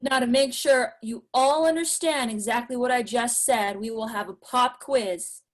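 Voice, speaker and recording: Woman playing a high-pitched, stern math teacher. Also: moderate pace, lightly acted. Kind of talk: virtual table read acting.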